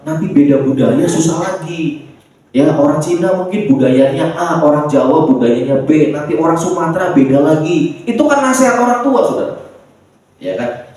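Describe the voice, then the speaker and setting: A man from Indonesia, a pastor preaching a sermon in a church, lively and acting out the voices of the people he quotes. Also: fairly high pitch. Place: church hall. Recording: echoey church from far off.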